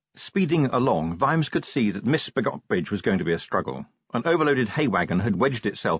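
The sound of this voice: The background stays quiet while an unforced reading voice comes through.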